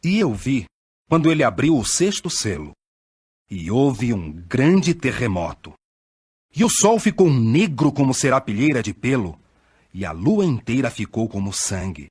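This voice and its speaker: Husky man reading scripture solemnly. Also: medium pitch, big pitch swings, darkish tone. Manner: measured, declamatory reading with dramatic swells. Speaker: scripture reader.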